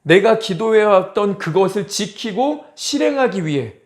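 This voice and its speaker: Man, pastor, sermon, high-pitched, emphatic, rhetorical questions, dramatic pauses. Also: expressive.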